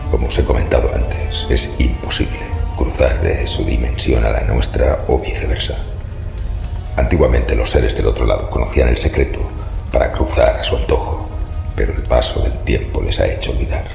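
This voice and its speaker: An actor playing a haunted, secretive old man who gives grave, ominous warnings in a horror audio drama, with a rasping voice. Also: a bass voice, heavily acted. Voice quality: very gravelly, breathy rasp. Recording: echoey hall reverb, faint noise.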